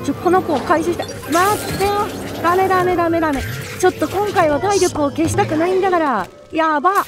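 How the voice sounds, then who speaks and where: A woman streamer giving excitable, chatty commentary while playing a video game, full of quick exclamations. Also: very high-pitched, over music. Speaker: let's play streamer. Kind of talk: live gameplay commentary.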